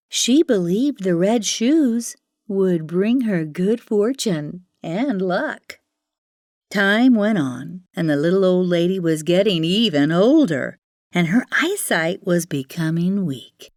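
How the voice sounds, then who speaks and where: A woman tells a children's fairytale slowly and dramatically, with a very lively rise and fall. The sound is close and dry, with faint music behind her. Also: on the low side, no echo. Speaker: storyteller. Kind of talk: expressive children's fairytale narration.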